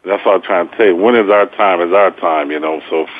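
A man's voice: low voice, a little fast, a little hiss or hum. A man hosting a sports radio talk show, rambling casually with lots of fillers and slang. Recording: tinny phone line.

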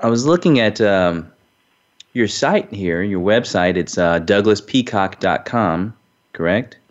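A male show host interviewing a guest, talking haltingly with frequent fillers. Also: fairly low pitch, animated. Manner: halting, frequent um and you know. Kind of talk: interview hosting. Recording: dull lo-fi recording.

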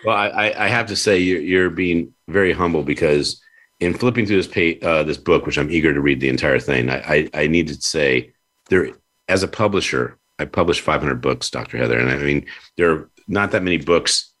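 A man's voice: extremely low pitch, fairly quick, fairly bright tone. A man hosting a conversational interview, effusive and given to repeating his phrases. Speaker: host; publisher.

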